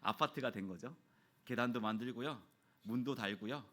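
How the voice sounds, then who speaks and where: A man's voice: moderate pace, fairly bright tone. A man in his thirties, a pastor, preaching a midweek sermon in a church and acting out quoted dialogue in his stories. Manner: storytelling, acts out quoted dialogue with raised pitch. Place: church sanctuary.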